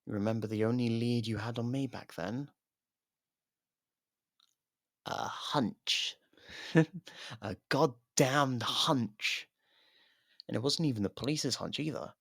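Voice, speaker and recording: Man playing a gravelly, sardonic murderer. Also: mid-range voice, slow pace, a bit bright, no room sound, clean studio sound, heavily acted. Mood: smug, goading. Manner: taunting, mocking, casually profane. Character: sardonic imprisoned murderer reluctantly partnered with a detective. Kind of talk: ASMR roleplay acting.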